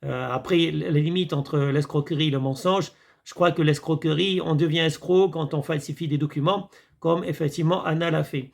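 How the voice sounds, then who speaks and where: Male commentator, gravelly and fairly high, rambling and hesitant, chatty monologue to viewers. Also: fairly even intonation, moderate pace. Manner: rambling, hesitant with many fillers, addresses viewers as friends. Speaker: video commentator. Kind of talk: casual monologue reviewing a series.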